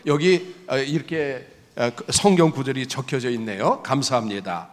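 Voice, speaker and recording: A man's voice: medium pitch, normal speed. A man preaching a sermon as pastor, speaking earnestly and building to emphatic declarations. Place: church sanctuary. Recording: church sanctuary with long reverb.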